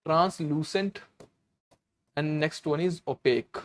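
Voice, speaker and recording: A man teaching exam vocabulary in a Hindi-English mix, explaining slowly, repeating words and checking in with "okay" as he goes. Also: fairly high pitch. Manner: clears throat often.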